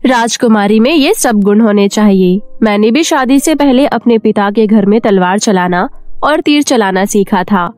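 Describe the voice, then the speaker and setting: A woman's voice: medium pitch, animated, normal speed, a little mellow, dry recording, soft background music, lightly acted. A woman voicing a queen, a concerned mother who admonishes in an exasperated way, in a cartoon story. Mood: chiding. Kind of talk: cartoon moral-story character voice.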